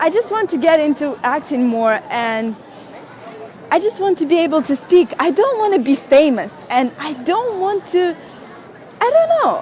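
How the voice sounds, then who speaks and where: Against noticeable background noise, a woman with a Russian accent talks at a moderate pace in an extremely high pitch with very wide pitch swings. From Russia, Kursk. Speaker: model and blogger. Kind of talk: interview. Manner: halting, searching for English words.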